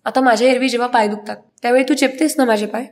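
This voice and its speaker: A woman's voice: a little high, steady tone, close to an everyday voice. A boastful joking young husband, as a woman reads him. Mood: playful. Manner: teasing, insistent, quick repeated pleas. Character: boastful playful young husband, pleased with his own jokes.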